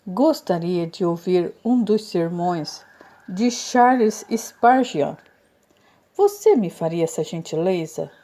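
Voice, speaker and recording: A woman's voice: fairly low pitch, lively intonation, slow pace. A woman voicing a frail dying old man. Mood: faint. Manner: soft, faltering murmur.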